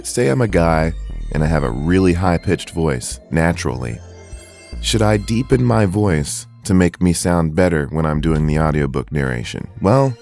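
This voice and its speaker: Deep-voiced man giving voice acting tips. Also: darkish tone. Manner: casual, conversational, earnest advice. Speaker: voice acting coach. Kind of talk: tutorial.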